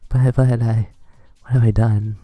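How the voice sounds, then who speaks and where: A man's voice: mid-range voice, little pitch movement, measured pace, warm tone, dry recording, faint music behind, close to an everyday voice. A man voicing a shy, flustered teenage schoolgirl who stammers.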